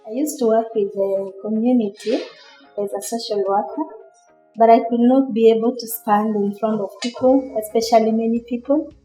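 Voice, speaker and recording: A woman's voice: on the high side, steady tone, moderate pace, mellow. A woman with a Kenyan accent giving interview testimony for a documentary, as someone who stood for election. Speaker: election candidate and former social worker. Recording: roomy echo, faint music behind.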